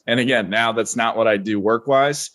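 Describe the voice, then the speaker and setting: A young man in his twenties with a lowish voice, recorded dry and close with almost no room sound. He speaks in a measured, articulate way, slipping in deadpan jokes, and sounds a little tired. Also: no echo. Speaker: guest, online nutrition coach. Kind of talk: casual interview chat.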